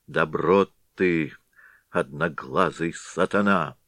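A man's voice: rumbling low, takes it slowly, a bit bright, no room sound, studio quality, full character voice. A man reading an audiobook, voicing an angry village woman who scolds her brother-in-law. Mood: scolding. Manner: scolding, accusing. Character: angry sharp-tongued village woman, the head's sister-in-law.

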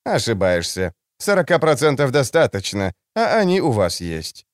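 A man's voice: mid-range voice, very animated, normal speed, dry recording, clean studio sound, natural voice. A man reading an audiobook, voicing a smug, theatrical grown man with a grandiose, mock-dramatic manner.

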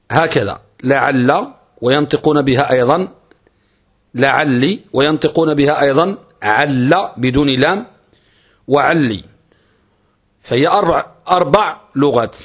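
A man's voice: on the high side, breathy edge. A man giving a grammar lesson, explaining step by step and putting questions to himself before answering them. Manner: chants verse slowly. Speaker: sheikh teaching Arabic grammar.

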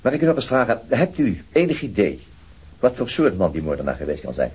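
A man's voice: fairly low pitch, sing-song, fairly quick, darkish tone, slight background noise. A man playing a dry, sardonic detective. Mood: probing. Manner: dry, sarcastic, questioning. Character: weary, sardonic male police detective. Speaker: police detective. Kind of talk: Dutch radio play acting.

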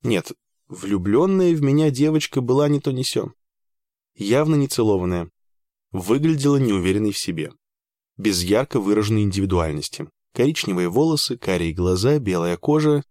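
A man with a lowish voice reads a first-person story aloud in a steady, measured way. His tone stays dry and understated. The recording is close and dead, with no room sound. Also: no echo. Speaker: audiobook narrator. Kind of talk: first-person audiobook narration.

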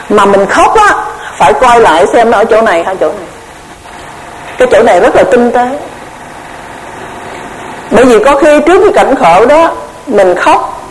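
A woman giving a Buddhist dharma lecture, measured and explanatory, often repeating words as she searches for the next one. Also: on the high side, slight background noise, rough recording. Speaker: Buddhist Abhidhamma teacher.

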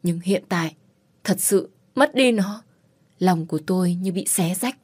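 A woman's voice: on the low side, darkish tone, slightly rough. Woman narrating a sorrowful story. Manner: sorrowful, measured. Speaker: audiobook narrator. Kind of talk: first-person novel narration.

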